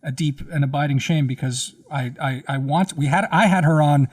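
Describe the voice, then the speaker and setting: A man co-hosting a podcast, slightly hoarse as he loses his voice, rambling casually with many restarts, speaking very close to the microphone. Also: on the high side, moderate pace, dry recording, far from the mic. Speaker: podcast co-host. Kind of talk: casual conversation.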